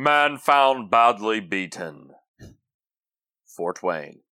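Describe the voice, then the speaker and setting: The delivery comes at a very slow pace. It is done in a put-on character voice. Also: man, medium pitch for a man. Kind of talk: newscaster reading voice.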